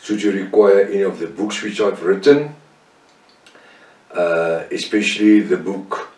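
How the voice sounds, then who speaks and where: An older man from South Africa with an Afrikaans-tinged accent, leading a Bible study with slow, deliberate delivery, pausing on fillers and correcting himself. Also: deep voice, darkish tone, roomy sound, distant mic. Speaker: Bible teacher.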